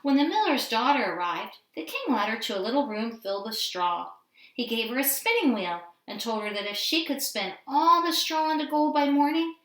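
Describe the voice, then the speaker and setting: Female children's storyteller, fairly high voice, expressive read-aloud, recorded in an echoey room. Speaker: storybook reader. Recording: roomy indoor echo.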